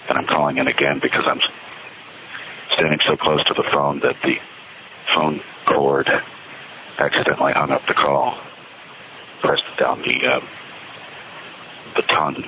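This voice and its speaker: A man giving a halting, reflective, rambling monologue on a payphone call from an outdoor phone enclosure, with a slightly noisy line. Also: extremely low pitch, bright, forceful tone, highs cut off. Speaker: solo caller recording monologues from payphones.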